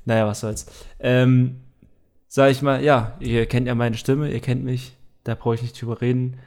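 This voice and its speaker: A young man co-hosts a laid-back podcast. He drifts from point to point and fills the gaps with filler words. His voice sits at an ordinary middle pitch. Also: moderate pace. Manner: relaxed, rambling with many fillers. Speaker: podcast co-host. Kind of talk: casual podcast chat.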